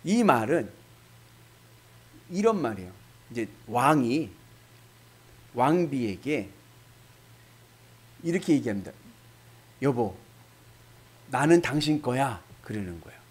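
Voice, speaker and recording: A man's voice: medium pitch, sing-song, slow, pauses often, slightly rough. A middle-aged male pastor preaching a sermon, acting out quoted dialogue in shifting voices.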